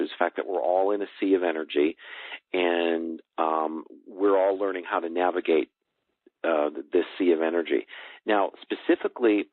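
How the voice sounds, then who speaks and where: A man in middle age with a low-pitched voice talks as an interview guest. He searches for words and doubles back on phrases to stress them. The sound is a thin telephone connection with no room around it. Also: no echo. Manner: hesitant, searching for words, repeats phrases for emphasis. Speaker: guest, personal growth coach and author. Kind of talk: conversational interview on a call. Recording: dry, band-limited phone call.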